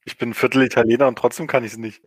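Man, average pitch, dry room-free sound, casual podcast banter. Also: steady tone, racing, breathy edge, no room sound. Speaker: podcast co-host.

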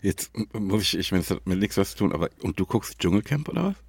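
A man's voice: low-pitched, very animated, fast talker, creaky, a little mellow, slightly rough, no echo. A man chatting colloquially as a podcast co-host, often tacking on little check-in questions. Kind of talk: casual podcast chat.

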